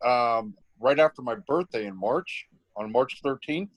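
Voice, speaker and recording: A man's voice: mid-range voice, animated, a little slow, no room sound, poor audio. A man chatting casually and enthusiastically, as a newcomer to a hobby does. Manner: eager, enthusiastic. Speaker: newly tested amateur radio hobbyist. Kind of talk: casual chat.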